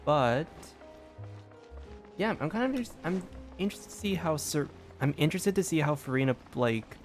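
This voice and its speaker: A man's voice: on the high side, lively intonation, moderate pace, soft background music. A young adult man giving casual, musing gaming commentary, thinking aloud as he streams. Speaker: game streamer.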